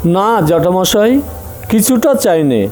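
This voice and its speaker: An actor playing a devoted, gently firm nephew in an audio story drama. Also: male voice, high voice, very animated, takes it slowly, faint music behind, full character voice.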